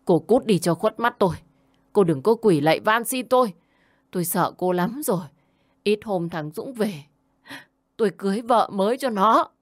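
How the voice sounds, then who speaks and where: A woman voicing a furious older mother-in-law who wails and shouts as she scolds. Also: mid-range voice, lively intonation, moderate pace, dry recording, studio quality, voice pushed up, lightly acted. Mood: raging.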